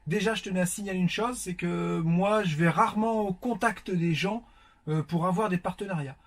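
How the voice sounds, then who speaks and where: A man's voice: sits high, normal speed. A man from France chatting casually to viewers while unboxing, with lots of fillers. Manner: chatty, many fillers, warm greetings to viewers. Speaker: vlogger.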